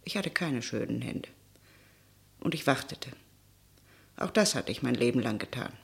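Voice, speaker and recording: A woman's voice: extremely low pitch, lively intonation, moderate pace, vocal fry, full character voice. An actress playing a weary, sorrowful mother in a German radio drama, restrained and melancholy, on an archival sixties recording. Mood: resigned, mournful. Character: weary, sorrowful Italian fishing-town mother, resigned and stoic.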